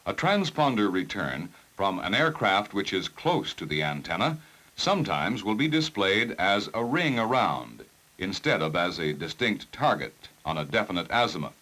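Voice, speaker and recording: A man narrates a vintage 1960s technical training film, his lowish voice formal and measured yet lively in inflection, with careful enunciation. The recording is rough.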